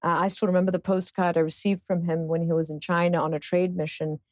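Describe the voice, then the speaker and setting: A woman in her fifties from Singapore, a guest in an interview, speaking thoughtfully with many pauses and fillers. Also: on the low side, little pitch movement, dry recording. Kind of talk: casual interview conversation.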